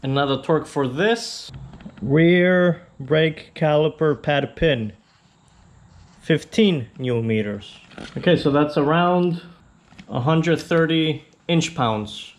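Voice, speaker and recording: A man hosting a casual how-to video, explaining a repair step by step in a relaxed, plainspoken way. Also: on the high side, slow pace. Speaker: motorcycle channel host.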